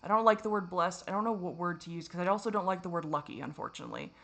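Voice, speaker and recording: Woman vlogger, lowish voice, raw confessional to-camera ramble, curses a lot, trips over her own sentences. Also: very animated, racing, fairly bright tone. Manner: rambling, self-critical, profane, frequent restarts.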